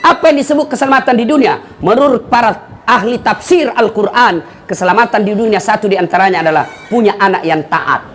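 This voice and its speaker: A man's voice: sits high, a little hiss or hum. A man preaching a humorous sermon, telling anecdotes and acting out the voices of people in them.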